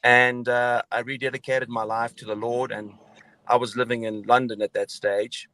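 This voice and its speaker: A man's voice: mid-range voice, little pitch movement, moderate pace, pushed and bright. A middle-aged man from Zimbabwe with a South African accent, telling his story as a radio guest over a video call, with many hesitations. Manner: hesitant, many fillers and restarts.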